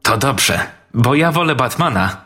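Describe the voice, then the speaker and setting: A man voicing a frightened little preschool boy in a spoken horror story, pleading in a high, strained voice. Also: expressive, measured pace, pushed and bright, faint music behind. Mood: curious. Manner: pleading, high-pitched and tearful.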